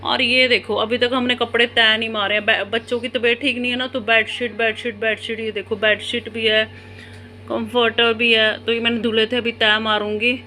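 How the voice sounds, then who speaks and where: A chatty woman talks through her evening at home, coaxing her little ones along. Her voice sits a bit high. The phone recording has a steady hum of household noise behind her. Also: normal speed, poor audio. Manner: chatty, coaxing and soothing toward her children. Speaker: mother and family vlogger. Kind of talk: casual home vlog talk. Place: home indoors at night.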